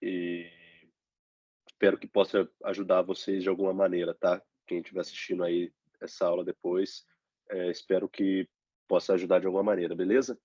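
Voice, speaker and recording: A young man with a Brazilian Portuguese accent, stuffy-nosed from a cold, teaching an online review lesson slowly with many fillers. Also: deep voice, flat delivery, dark tone, breathy edge, no echo. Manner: slow, halting explanation with frequent "né?" fillers. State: congested, stuffy nose from a cold. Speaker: teaching assistant. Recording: dull, lo-fi dry computer recording.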